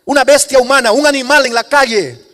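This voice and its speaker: A man's voice: medium pitch, fairly even intonation, normal speed, voice pushed down, close to an everyday voice. A man voicing a repentant middle-aged former drunk, earnestly pleading his confession to the pastor. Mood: impassioned. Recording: long reverb of a large hall.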